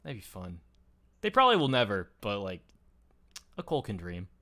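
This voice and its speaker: A man's voice: fairly low pitch, huge pitch swings, moderate pace, bright, forceful tone. A man chatting casually and explaining things in a conversational, enthusiastic way, as a show host.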